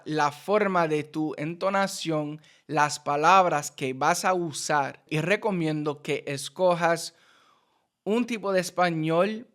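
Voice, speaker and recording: Slow-talking Puerto Rican-accented man. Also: on the high side, fairly bright tone. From United States. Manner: slow, repeats and restarts words while explaining. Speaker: Spanish teacher. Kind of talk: casual teaching to camera.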